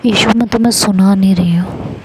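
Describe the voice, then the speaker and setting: A woman's voice: medium pitch, steady tone, moderate pace, background noise, lightly acted. A woman voicing a young college student who lectures her partner in an exasperated tone, in an audio story.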